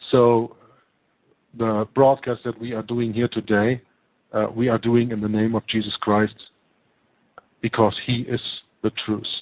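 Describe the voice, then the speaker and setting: The speaker has a German accent and a monotone, flat intonation. The delivery is fairly slow, with long, frequent pauses. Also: man, medium pitch for a man. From Germany. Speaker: YouTube researcher on religion and conspiracy. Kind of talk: podcast interview monologue. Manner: hesitant, many fillers. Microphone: humming and buzzing on the line.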